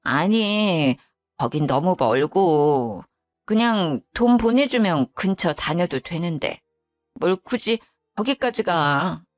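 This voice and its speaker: A woman's voice: fairly low pitch, expressive, slow, soft background music. A woman voicing a grumbling, self-pitying widowed mother-in-law who speaks curtly. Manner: curt, self-pitying, sighing.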